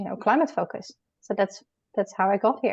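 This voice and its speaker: A woman at medium pitch with a Dutch accent. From Netherlands. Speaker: strategy consultant, climate tech writer. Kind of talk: podcast interview.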